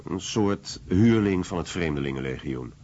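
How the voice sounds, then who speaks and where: A man with a very deep voice reads a documentary voice-over translation. The recording is slightly muffled, with faint noise behind him. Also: animated, moderate pace, a little mellow.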